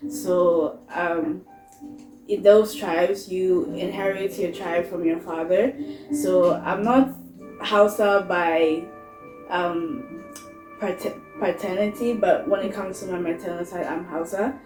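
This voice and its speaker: Slow-talking Canadian woman in her twenties. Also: lowish voice, fairly even intonation, echoey room, over music, rough recording. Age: 20s. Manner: unhurried, thoughtful, with frequent pauses and fillers. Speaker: vlogger. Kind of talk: casual chat.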